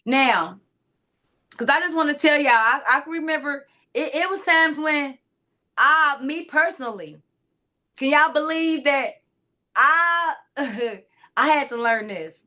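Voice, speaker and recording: A woman clarity coach with a naturally high-pitched, loud voice, speaking directly to her listeners in a casual, emphatic motivational talk full of asides. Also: takes it slowly.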